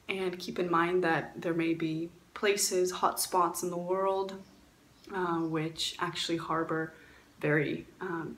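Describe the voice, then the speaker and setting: Low-voiced woman in an echoey room. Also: a little hiss or hum. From Poland, raised in Canada. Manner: earnest, frequent fillers and restarts. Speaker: guest traveler sharing advice. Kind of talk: recorded talk answering questions.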